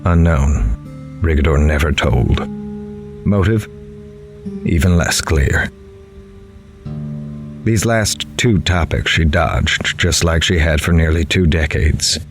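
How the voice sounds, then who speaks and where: Horror audio drama: dogged crime reporter, extremely low voice, grave noir-style narration, faint music beneath. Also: male voice, slow pace, pauses often. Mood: grim, methodical. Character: grim, dogged male crime reporter recounting a prison interview.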